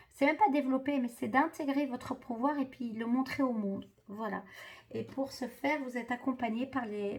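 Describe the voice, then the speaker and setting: A woman's voice: a little high, dark tone. A woman doing a spiritual card reading for viewers, hesitant and full of fillers and restarts. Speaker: tarot card reader.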